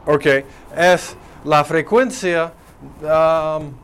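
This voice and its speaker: Male phonetics lecturer, unhurried, a bit high-voiced, faint background hiss. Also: steady tone, a bit bright. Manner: slow, explanatory, thinking aloud with fillers. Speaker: phonetics teacher. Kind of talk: spoken lecture.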